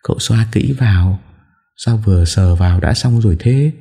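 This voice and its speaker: A young wife sobbing and whining in a raised, plaintive voice, as a male narrator puts her on. She sounds scheming and put-upon. The voice sits far above the reader's own deep range. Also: moderate pace, vocal fry, mellow, slightly rough. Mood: coaxing. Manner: whiny, sobbing complaint.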